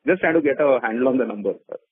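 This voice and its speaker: A man's voice: mid-range voice, lively intonation, racing, husky, no room sound. A man speaking as an analyst on an earnings call, politely and tentatively probing for details over the phone. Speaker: analyst asking questions. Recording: dry narrow-band phone line.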